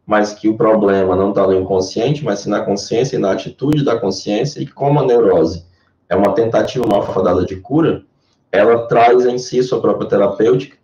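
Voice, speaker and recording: Low, mellow-voiced Brazilian man explaining. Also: distant mic. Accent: Brazilian Portuguese. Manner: explanatory, lecture-like. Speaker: guest, Jungian therapist. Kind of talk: interview answers. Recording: echoey dull lo-fi sound.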